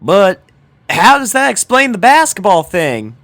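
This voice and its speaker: A man's voice: high-pitched, big pitch swings, unhurried, a bit bright, pitched above the performer's own voice, exaggerated voice. A man voicing an easygoing, down-to-earth teenage girl with a frank manner in a story reading. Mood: challenging.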